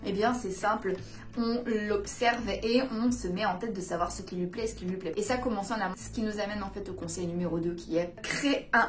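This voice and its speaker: A woman coach talking casually to camera in a hyped-up, over-caffeinated way with emphatic bursts. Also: medium pitch. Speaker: dating and seduction coach presenting her channel. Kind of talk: casual vlog explainer to camera.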